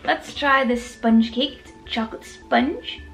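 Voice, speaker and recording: A woman's voice: sits high, slow pace, faint music behind. A woman hosting a mukbang, chatting casually about desserts while chewing and tasting. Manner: chatty and self-deprecating, talks while chewing. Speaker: food vlogger.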